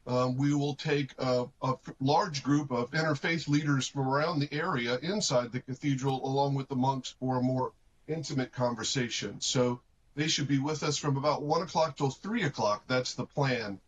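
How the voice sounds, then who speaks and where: A man speaking for a cathedral in a live interview, with a middle-pitched voice. He lays out plans in a calm, measured way, with the odd filler. A faint hiss sits behind him. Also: lo-fi sound. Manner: measured and explanatory, with occasional fillers. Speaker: cathedral representative.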